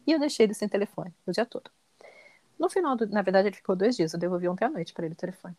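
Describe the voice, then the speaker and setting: A woman with a Brazilian accent, in her thirties, telling a lively story as a mother and acting out the dialogue. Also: mid-range voice, racing, dry recording. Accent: Brazilian Portuguese. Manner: animated, quoting dialogue, many repetitions. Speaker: podcast guest, mother. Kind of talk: casual storytelling.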